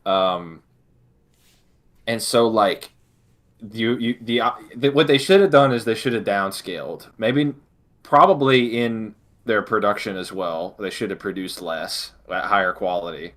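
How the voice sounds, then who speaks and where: A man's voice: lowish voice, unhurried, a bit bright. A man co-hosting a casual discussion, thinking aloud and often rephrasing as he goes. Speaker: podcast co-host.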